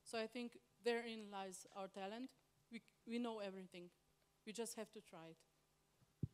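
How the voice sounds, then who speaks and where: A woman's voice: on the high side, fairly even intonation, unhurried, a little mellow, smooth. A woman speaking as a business panelist, thoughtful and a little tentative. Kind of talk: panel discussion answers.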